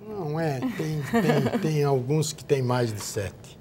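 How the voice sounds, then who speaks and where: Older São man recalling, halting. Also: fairly high pitch, lively intonation, a little mellow, a little hiss or hum. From São Paulo, Brazil. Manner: halting, repeats words while recalling. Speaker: guest, former state legislator. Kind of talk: interview reminiscence.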